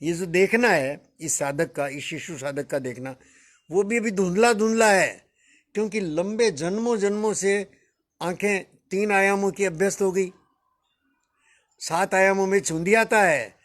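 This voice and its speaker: An older man in his seventies speaks as a spiritual teacher, his voice sitting somewhat high for a man. He muses slowly through a reflective discourse, calls his listeners friends and lets a soft chuckle slip in now and then. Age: 70s.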